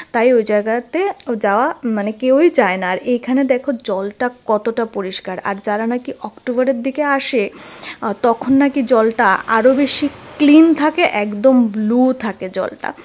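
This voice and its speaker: A woman's voice: a little high, a little mellow. A woman doing a casual travel vlog voice-over, chatting directly to her viewers. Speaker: travel vlogger.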